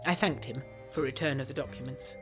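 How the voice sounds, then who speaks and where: A woman's voice: a bass voice, brisk, music in the background. A woman playing a genteel, secretive young 1920s Englishwoman, narrating a gothic audio drama in a refined, confiding way. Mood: uneasy, reflective. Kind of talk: scripted first-person audio drama narration.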